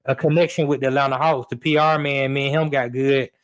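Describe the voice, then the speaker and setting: A man's voice: medium pitch, fast talker. Man telling stories casually. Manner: relaxed, conversational, with frequent fillers and repeats. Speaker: podcast guest, sports radio producer and host. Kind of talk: casual storytelling chat.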